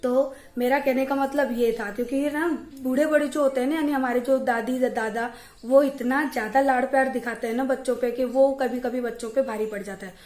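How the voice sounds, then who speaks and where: A young woman vlogging from her home, chatting to camera and telling stories in a lively way. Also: sits high, brisk, reverberant. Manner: chatty, animated storytelling. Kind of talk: casual chat to camera. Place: at home, indoors.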